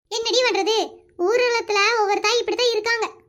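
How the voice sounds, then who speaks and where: In a cartoonish character voice, a woman speaks squeaky and extremely high at a fairly quick pace with monotone, flat intonation. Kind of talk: rural Tamil comedy. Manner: brusque, familiar.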